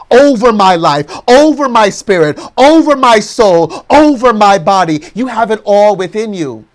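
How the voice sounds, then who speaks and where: An American man preaching a motivational sermon, leading the congregation through slow, emphatic affirmations. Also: sits high, fairly bright tone. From United States.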